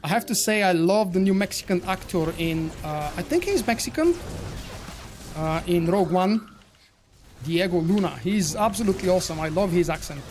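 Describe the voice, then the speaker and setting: A man's voice: high-pitched, moderate pace, faint music behind. A man from Bulgaria with a Bulgarian accent, casually chatting with viewers while streaming a game. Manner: relaxed, rambling, answers chat between fights. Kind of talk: live gameplay commentary, chatting with viewers.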